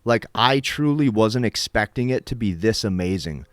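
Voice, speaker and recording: A man's voice: lowish voice, expressive, normal speed, no echo, studio quality. A man working as a dating coach and host, delivering an emphatic, instructive monologue straight to his viewers, often punctuated with check-in words. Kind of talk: direct-to-camera coaching monologue.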